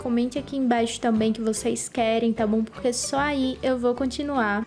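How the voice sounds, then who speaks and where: Over light background noise, a woman talks in a high pitch. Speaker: video reactor. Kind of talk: casual vlog chat. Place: home room. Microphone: studio mic.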